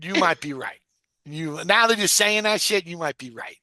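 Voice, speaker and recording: A man's voice: sits high, animated, normal speed, bright, forceful tone, dry recording, studio quality. A man hosting a casual podcast, talking in loose, profane rambles full of fillers. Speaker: podcast host. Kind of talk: casual rewatch podcast chat.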